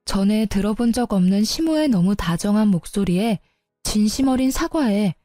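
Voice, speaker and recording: A young woman tells her personal story in a confiding, indignant voice. Her tone is mellow and warm. The recording is dry, with faint music underneath. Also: mid-range voice, lively intonation, normal speed, dry recording. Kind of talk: first-person story narration.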